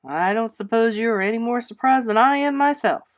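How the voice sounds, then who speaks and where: A woman's voice: fairly high pitch, a little fast, voice pushed up, natural voice. A woman voicing a stern, resolute older spinster in a storybook, dry and matter-of-fact. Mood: frank, composed.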